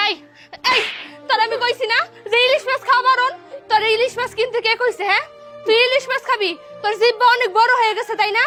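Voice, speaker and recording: A woman's voice: very high voice, steady tone, pushed and bright. A woman playing a stern, poor village mother. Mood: scolding. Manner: scolding rapid-fire questions, then soothing. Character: poor rural mother, stern then tender. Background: background music.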